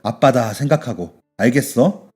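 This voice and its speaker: A man as a gruff fatherly shoe shop boss. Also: medium pitch, lively intonation, measured pace, darkish tone, faint music behind, natural voice. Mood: gruff caring. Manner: blunt, scolding but kind. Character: gruff, fatherly middle-aged male shoe shop owner.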